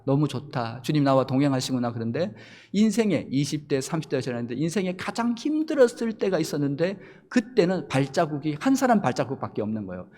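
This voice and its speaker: Male pastor, higher-pitched voice, storytelling sermon, sanctuary reverb. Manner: storytelling sermon that swells from soft to loud. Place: church sanctuary. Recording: long church reverb.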